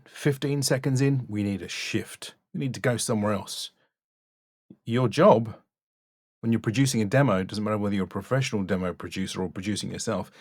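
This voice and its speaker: A low-pitched man speaks as a voice-over coach, recorded close and very dry. He critiques bluntly and instructively, stressing points in short, emphatic remarks. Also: a little mellow, husky, no echo. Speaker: voice-over coach reviewing demo reels.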